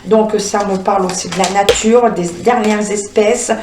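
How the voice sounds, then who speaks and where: Female medium, mid-pitched voice, halting card reading full of fillers, recorded in a roomy space. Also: steady tone, background noise. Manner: halting, many filler sounds, talks to the cards. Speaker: medium reading oracle cards. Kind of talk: spoken card reading with visions.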